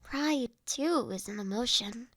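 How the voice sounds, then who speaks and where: A woman playing a gentle, formal young mistress of a manor in a roleplay audio drama, speaking earnest, caring lines in measured, old-fashioned phrasing. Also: a little high, expressive, no room sound, studio quality. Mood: gently persuasive.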